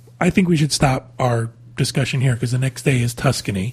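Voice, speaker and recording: A man of medium pitch sounds somewhat breathy as he talks at a moderate pace. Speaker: traveler sharing trip stories. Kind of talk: casual chat.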